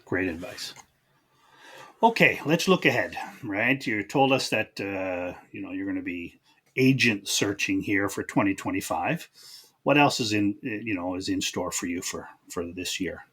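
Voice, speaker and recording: A man with a slightly low voice hosts an interview podcast. His delivery is conversational and casual, like an informal chat with a guest. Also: lively intonation, a little slow, fairly bright tone, husky. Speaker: podcast host.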